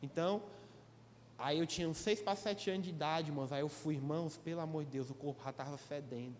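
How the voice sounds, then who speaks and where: The speech moves at a fairly quick pace with ordinary pitch variation. It carries a Ceará accent. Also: man, fairly high pitch for a man. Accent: Ceará accent, kept. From Ceará, Brazil. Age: 20s. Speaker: Bible school teacher. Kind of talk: Bible class lecture. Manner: animated.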